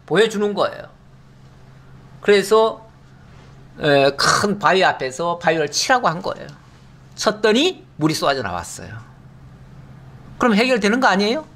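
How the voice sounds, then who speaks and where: A middle-aged man preaching a Bible lesson, his fairly high voice rising and falling in lively swings. He keeps it conversational, tossing out rhetorical questions and answering himself with a quick "yes". He sounds like a pastor explaining scripture to his congregation. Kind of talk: Bible teaching sermon.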